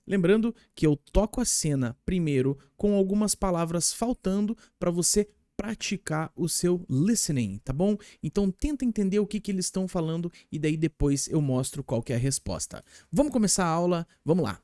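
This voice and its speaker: Brazilian male English teacher, casual and enthusiastic online lesson, slightly high, warm, dry recording. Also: expressive, normal speed, few pauses, no room sound. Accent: Brazilian Portuguese. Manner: chatty and enthusiastic, talks to viewers directly.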